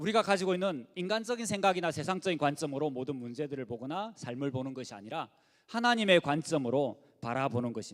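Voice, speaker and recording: Very wide pitch swings at a very fast pace. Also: man, fairly high pitch for a man. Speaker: pastor. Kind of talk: sermon. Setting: church.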